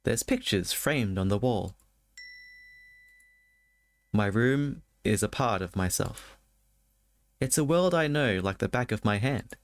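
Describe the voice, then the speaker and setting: A man with a fairly low voice hosts a spooky game stream. He talks casually to his viewers and reads visual novel text aloud. His chatty delivery is halting, with repeated words. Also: lively intonation.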